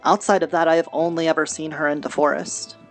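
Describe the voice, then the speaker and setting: Low-voiced, earnest clawed forest creature played by a woman. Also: steady tone, fast. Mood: matter-of-fact, earnest. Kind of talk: improvised VRChat fantasy roleplay. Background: music.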